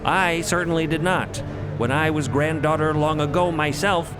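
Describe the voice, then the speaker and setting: A man's voice: a little high, steady tone, over music, lightly acted. A man playing a solemn, veiled religious mentor in an audio drama, speaking in formal, ornate phrases. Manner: formal, ornate, measured wording. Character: solemn veiled horned male religious mentor, Mother Artifice.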